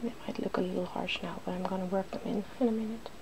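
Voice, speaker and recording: A woman hosting a soft-spoken ASMR makeup tutorial, often slipping into a whisper. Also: mid-range voice, steady tone, quick pace, creaky. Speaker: ASMR video host. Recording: noticeable background noise.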